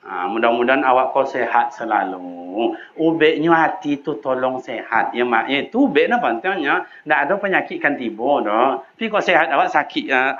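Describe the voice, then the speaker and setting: A man preaching a sermon in a mosque with a Minangkabau accent, swinging between loud high calls and low quiet asides. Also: muffled recording.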